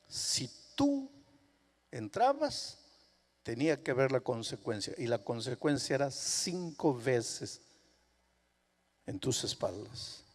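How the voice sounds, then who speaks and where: Man playing a strict loving mother, firm and measured, lively pitch, slow, echoing hall. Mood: grave. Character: stern but loving mother scolding son. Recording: reverberant hall.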